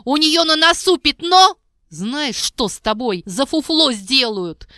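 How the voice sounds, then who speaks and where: A woman voicing a crude, hot-tempered shaven-headed male gangster who shouts in coarse slang. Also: very high-pitched, expressive, measured pace, no echo, studio quality, full character voice. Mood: menacing.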